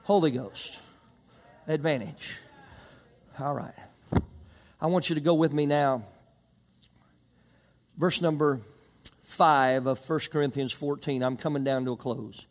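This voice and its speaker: A man's voice: on the high side, fairly even intonation, measured pace, long pauses. A man preaching a sermon to a live congregation, emphatic, mixing scripture with homely anecdotes and call-and-response. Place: church service with live congregation. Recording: long hall reverb.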